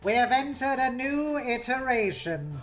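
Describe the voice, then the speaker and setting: An unctuous cyborg tech-priest, played by a woman reading a novel aloud, speaks very slowly and with false courtesy. He sounds smooth and patronizing, over music. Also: sits high, sing-song, pitched above the performer's own voice, low-quality recording. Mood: smooth, formal. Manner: unctuous, slow, politely condescending. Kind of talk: dramatic novel read-aloud.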